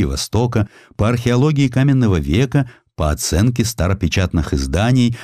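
A man reading a scripted historical narrative in an expressive, theatrical storytelling manner. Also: fairly low pitch, no room sound, clean studio sound. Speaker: audiobook narrator.

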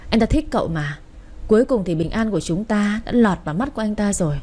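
A cheeky young woman friend, teasing and coaxing in a mellow, soft-toned voice, as a woman storyteller puts her on. She pushes her friend along with playful insistence. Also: medium pitch, animated, fast talker, close to an everyday voice.

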